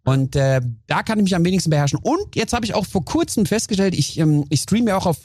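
A man guesting on a podcast, telling lively stories in casual chat and briefly acting out his own outbursts. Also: high-pitched, fast talker, no echo, clean studio sound.

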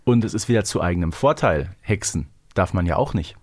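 A man's voice: deep voice, lively intonation, fairly quick, slightly rough, no echo, clean studio sound. A man co-hosting a podcast in casual, wry review chat. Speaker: podcast co-host.

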